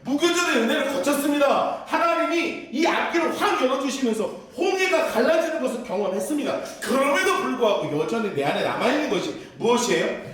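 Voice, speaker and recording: A man preaching a sermon as pastor, impassioned and at times shouting. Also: very high voice, sing-song, quick pace, few pauses, slight background noise. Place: church sanctuary. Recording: echoey church hall, voice from a distance.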